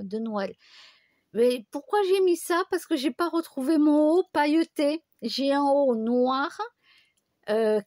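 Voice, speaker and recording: A woman's voice: on the high side, darkish tone, dry recording, clean studio sound. A woman chatting casually to her viewers, telling a rambling story full of fillers and restarts. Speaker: vlogger. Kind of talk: casual chat to camera.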